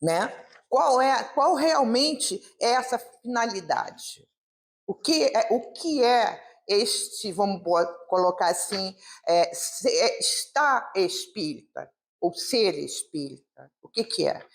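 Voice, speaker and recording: Woman speaker, gravelly voice. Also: medium pitch, expressive, slow. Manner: conversational, many fillers and rhetorical questions. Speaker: guest speaker at a spiritist meeting. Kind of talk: informal talk on a gospel reading. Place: meeting hall, live public gathering.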